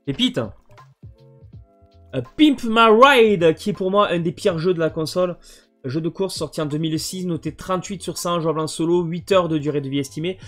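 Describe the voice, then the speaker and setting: A man's voice: on the high side, fairly even intonation, quick pace, faint music behind. A man casually presenting his video game collection, hesitant and full of fillers. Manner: hesitant, many fillers and restarts.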